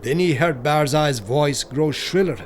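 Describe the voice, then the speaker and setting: A man's voice: fairly high pitch, measured pace, slight background noise. A man narrating a scripted horror audiobook in a solemn, theatrical storytelling manner.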